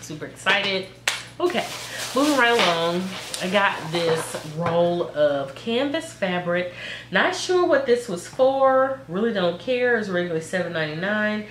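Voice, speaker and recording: A woman with a stuffy cold, chatting casually through a craft store haul and excitedly listing prices. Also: medium pitch, unhurried. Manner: chatty, lists prices excitedly, trails off into fillers. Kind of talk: casual haul video chat. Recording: echoey room with faint noise.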